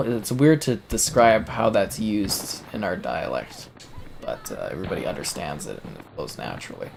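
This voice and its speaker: A man at a moderate pace. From Canada. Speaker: gaming streamer and reviewer. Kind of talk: live gameplay stream chat. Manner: casual, conversational.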